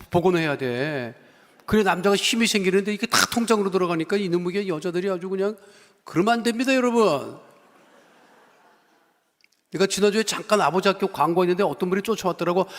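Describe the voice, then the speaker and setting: A middle-aged man preaching a folksy, joking sermon, acting out quoted voices and building to loud appeals. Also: on the high side. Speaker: pastor. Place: church sanctuary. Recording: long church hall reverb.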